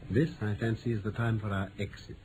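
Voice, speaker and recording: An actor playing a courteous, authoritative English detective in a British radio drama, with formal, precise delivery. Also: male voice, fairly low pitch, little pitch movement, fairly quick, a crowd in the background, lightly acted. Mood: incisive, probing. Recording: vintage radio broadcast with faint noise.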